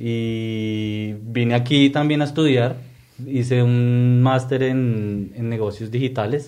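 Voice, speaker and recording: A man speaks very slowly at a medium pitch, his intonation fairly even. Room echo is audible. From Colombia, Bogotá. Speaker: advertising professional. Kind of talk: casual chat. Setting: studio.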